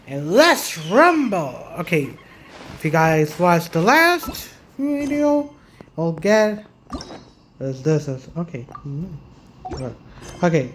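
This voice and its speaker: A gaming YouTuber giving casual gameplay commentary in a halting way, often repeating words as if to themselves. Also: medium pitch, sing-song, slight background noise.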